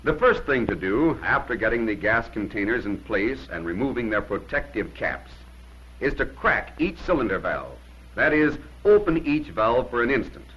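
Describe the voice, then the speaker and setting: Old 50s training film guy, lively up-and-down delivery, kinda husky, emphatic instructions. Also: medium pitch, moderate pace, rough recording. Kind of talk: 1950s instructional film narration.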